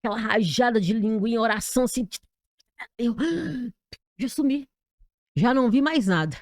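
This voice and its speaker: Brazilian woman pastor, guest testimony, somewhat high voice, dry studio sound. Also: moderate pace, dry recording. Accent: Brazilian Portuguese. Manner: vivid, animated storytelling with sound effects. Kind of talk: dramatic personal testimony. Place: podcast studio.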